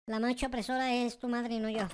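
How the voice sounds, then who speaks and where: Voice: mid-range voice, level tone, fast, noisy background. A gaming YouTuber playing a father in improvised comic roleplay, with an exaggerated, playful delivery. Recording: background music behind the voice.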